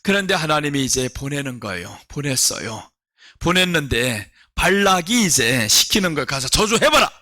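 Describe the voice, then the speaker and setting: Lively, bright-voiced male preacher. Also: on the high side, normal speed, no echo, studio quality. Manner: animated storytelling, acting out biblical characters' voices. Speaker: pastor. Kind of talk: sermon.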